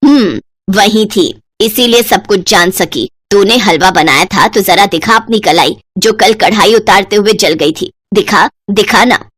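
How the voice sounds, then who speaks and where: A woman's voice: medium pitch, unhurried, a bit bright, breathy edge, pitched below the performer's own voice. A woman voicing a stern older mother-in-law who scolds her daughter-in-law in a cartoon story. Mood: scolding.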